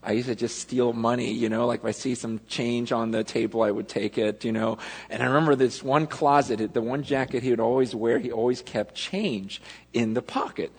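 A male pastor preaches a sermon in a large hall with long reverb, his medium-pitched voice fairly even, darkish and a bit breathy at a moderate pace. He tells personal stories loosely, interrupting himself, losing the thread and circling back.

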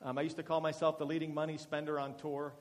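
A man's voice: a little high, little pitch movement, quick pace, a little hiss or hum. A man in his forties giving a chatty, self-deprecating testimony as a guest speaker at a church, with many fillers and restarts. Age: 40s. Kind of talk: testimony talk to a congregation. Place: church meeting hall. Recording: reverberant church hall.

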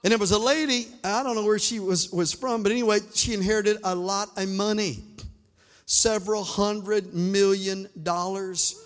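High-voiced male pastor, fervent sung-and-shouted sermon style, long reverb of a church. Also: steady tone, moderate pace. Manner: calls on the congregation for responses. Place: church sanctuary.

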